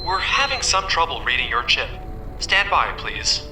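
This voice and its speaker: An actor playing a polite, officious port control announcer in an audio drama, speaking with scripted official courtesy. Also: male voice, medium pitch, very animated, moderate pace, echoey room, distant mic, over music, lightly acted, rough recording.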